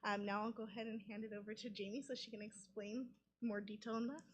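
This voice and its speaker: A woman's voice: mid-range voice, fairly even intonation, fast talker, highs cut off. A young woman giving an informal presentation as a committee member at a public meeting. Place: council meeting room.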